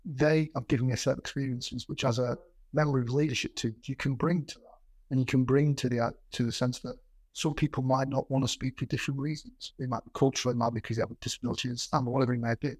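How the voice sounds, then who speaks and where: A middle-aged man speaks with a slightly rough, husky voice and a noticeable stammer, repeating words as he goes. He is a plain-spoken executive answering interview questions conversationally. The sound is dry and close, with no real room to it. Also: medium pitch, fairly even intonation, fast talker, darkish tone, dry recording. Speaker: business executive being interviewed. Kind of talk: reflective conversational interview with anecdotes.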